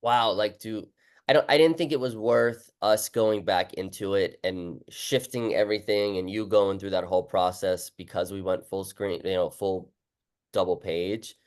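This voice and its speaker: Deep-voiced man chatting as interviewer. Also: fairly even intonation, normal speed, clean tone. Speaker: interviewer, book author. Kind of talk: casual chat.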